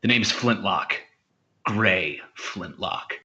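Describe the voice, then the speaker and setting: Earnest, pompous spaceman, lowish forceful voice, stilted formal delivery, audio comedy. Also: expressive, takes it slowly, lo-fi sound, heavily acted. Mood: urgent, self-important. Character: earnest, pompous space hero lost at an Earth dance. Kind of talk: audio comedy drama acting.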